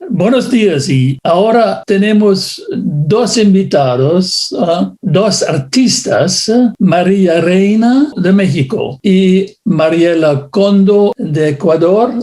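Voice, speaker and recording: A man's voice: sits high, animated, takes it slowly, dark tone. A man hosting an interview, introducing guests hesitantly with many fillers.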